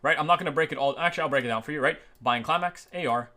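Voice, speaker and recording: Man, trading teacher, chart walkthrough, fairly high voice, bright and forward tone, says "right?" a lot. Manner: repeats "right?" as a tag, talks through live charts; uneven pace, speeds up and slows down. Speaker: trading educator. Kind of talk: screen-share chart walkthrough.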